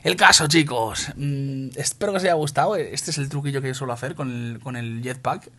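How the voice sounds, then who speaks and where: A young gaming YouTuber from Spain with a Castilian accent casually commentates his mobile shooter match for viewers, swearing and calling everyone "tío". His medium-pitched voice is pushed and bright, at a normal speed.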